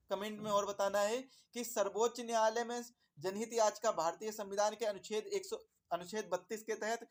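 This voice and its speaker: A man teaching an exam prep lesson. He repeats his points, asks questions and answers them himself, and calls viewers "my dear brother". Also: high-pitched.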